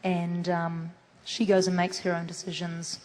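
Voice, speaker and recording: A woman's voice: lowish voice, monotone, measured pace, a little mellow. A woman, a guest actress on a fan convention panel, chatting casually and playfully and telling jokey stories. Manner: playful storyteller who jokes freely. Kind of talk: casual on-stage chat. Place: large convention hall stage. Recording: echoey convention hall, faint noise.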